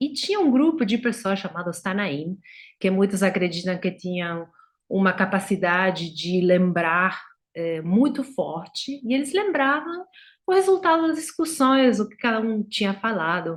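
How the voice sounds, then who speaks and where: A woman speaks at a fairly slow pace in a medium pitch, her voice somewhat breathy. Her pitch swings very widely, and the recording is very clean with a silent background. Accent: Spanish. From Argentina, Buenos Aires. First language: Spanish (speaking Portuguese). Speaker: interpreter and translator. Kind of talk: lecture. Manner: hesitant, repeats words.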